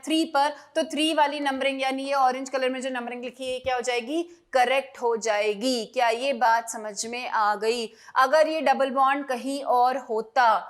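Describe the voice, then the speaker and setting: A woman teaching chemistry in an online lesson, repeating each step and asking and answering her own questions. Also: high voice.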